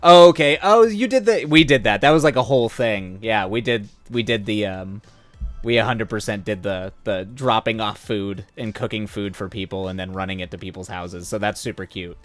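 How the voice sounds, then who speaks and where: A livestream host in his thirties chats casually while answering viewers, rambling with frequent restarts and chuckles. His voice is fairly low and his pace moderate, with faint music playing behind him.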